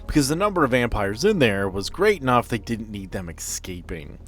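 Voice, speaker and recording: A man narrating an improvised tabletop horror game as game master, with theatrical storytelling and dramatic pauses. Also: mid-range voice, big pitch swings, a bit bright, soft background music. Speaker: game master, podcast host.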